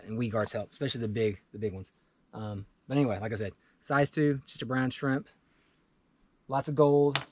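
A man in his forties talking casually to camera in a wooded clearing, walking through his fishing gear with lots of fillers and restarts. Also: fairly low pitch, no room sound. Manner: relaxed and chatty, many fillers and restarts. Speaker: fly fishing vlogger. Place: outdoors in a wooded clearing beside a pickup truck.

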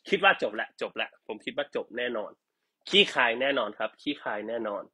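Bright-voiced man teasing on a sales live stream. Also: medium pitch, lively intonation, brisk, slightly rough. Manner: joking, teasing, chatty. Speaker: live-stream product seller.

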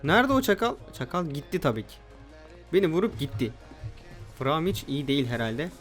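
A young man hosting his gaming channel, giving excitable let's play commentary and shouting at opponents. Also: fairly high pitch, a little fast, faint music behind.

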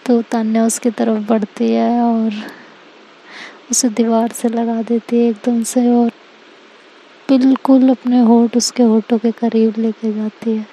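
Woman storyteller, chatty and intimate, slightly high pitch, mellow tone. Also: breathy edge, poor audio. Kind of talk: casual spoken storytelling.

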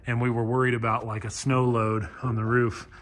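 A young man talks through his work in a relaxed, step-by-step way, pausing with "uh" as he goes. His voice sits at a middle pitch for a man. It is caught on a handheld camera out of doors and in a half-built hangar, with loud wind and engine noise around it. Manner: easygoing, explains step by step, many "uh" pauses. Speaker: vlogger, pilot building a hangar. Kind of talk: casual walk-through narration. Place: unfinished hangar and open field, in and out of doors. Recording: noisy outdoor recording.

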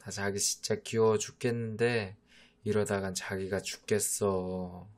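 A man's voice: fairly low pitch, steady tone, a little slow, close to an everyday voice. A man voicing a teasing boyfriend who coaxes and mock-scolds his jealous younger girlfriend, in a whispered role-play. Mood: giving in. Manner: teasing, coaxing, mock-exasperated. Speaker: voice actor.

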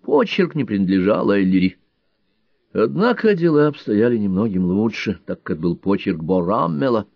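A man reading a detective novel aloud in an even, measured storytelling manner. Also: fairly low pitch, vocal fry, no room sound, dull audio. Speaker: audiobook reader. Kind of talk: scripted narration.

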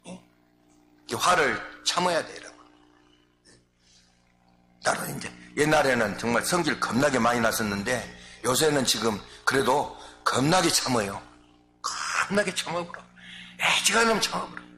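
Man, older, Jeolla accent, pastor's sermon, emphatic, bright, echoey room. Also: animated, moderate pace, pauses often. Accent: Jeolla Korean. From Jeolla, South Korea. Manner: emphatic, swings between shouting and low asides, constantly addresses the congregation.

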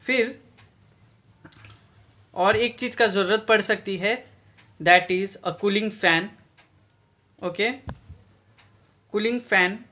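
A man with an Indian accent walks through a DIY battery build, mixing Hindi and English as he explains each step. His voice is bright, and he talks slowly and deliberately. He records on a phone held over his workbench. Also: sits high, fairly even intonation. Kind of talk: DIY tutorial. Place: indoor workbench.

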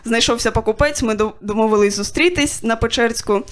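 A young woman performing a stand-up set, telling stories in a dry way with quick voiced asides. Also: a little high. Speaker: stand-up comedian. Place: stage of a small comedy club.

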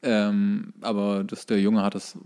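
A man with a somewhat low voice co-hosts a podcast. He chats casually and drops in dry, teasing remarks as part of the banter. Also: completely flat delivery, a little slow, darkish tone, clear, resonant tone. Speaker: podcast co-host and actor.

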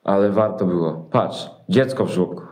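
Man playing an earnest low-voiced shepherd. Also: normal speed, a little mellow, natural voice. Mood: eager. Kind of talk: amateur Christmas nativity audio play acting.

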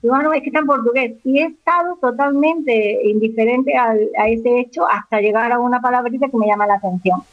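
A woman's voice: a little high, a little fast, few pauses, no echo. Spanish woman in her forties on a phone line. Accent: Spanish from Spain. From Spain. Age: 40s. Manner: chatty, with frequent restarts and repeated words. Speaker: interview guest. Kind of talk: casual conversational interview. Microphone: phone call.

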